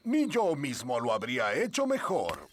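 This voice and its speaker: A man with a Latin American Spanish accent playing a lazy, greedy garden gnome in a cartoon, with a drawn-out, exaggerated delivery. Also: mid-range voice, wildly swooping pitch, a little hiss or hum. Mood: fawning, cheeky.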